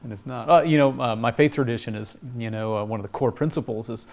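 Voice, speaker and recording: A man's voice: mid-range voice, fast, gravelly, darkish tone, a little hiss or hum. A man hosts an interview in a mid-range voice. He responds to his guest with frequent short affirmations. The chat moves along at an easy conversational pace. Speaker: host.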